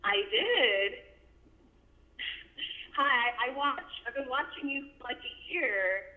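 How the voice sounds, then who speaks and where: A woman's voice: high-pitched, lively intonation, takes it slowly. A woman calling in by mobile phone while travelling, talking in a polite, tentative way over a distorted line that cuts in and out. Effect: distorted phone line cutting in and out. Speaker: caller. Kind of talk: call-in phone conversation. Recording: fuzzy distorted tinny phone line from afar.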